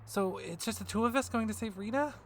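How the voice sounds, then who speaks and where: A woman playing a hot-headed, higher-voiced woman. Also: brisk, slight background noise, close to an everyday voice. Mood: urgent, defiant. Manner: blunt, urgent. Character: distraught, hot-headed, foul-mouthed woman.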